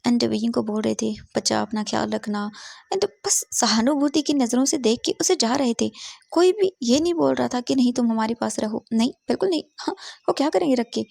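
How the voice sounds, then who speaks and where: A woman's voice: sits high, expressive, fairly quick, vocal fry, a little mellow, dry recording. A woman telling a story in a casual, conversational narrating style, mixing in English words.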